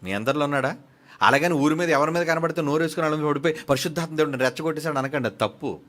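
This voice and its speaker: A man preaching a sermon who swings between soft and loud, fires off rhetorical questions, and reads scripture slowly and emphatically. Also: on the high side, lively intonation.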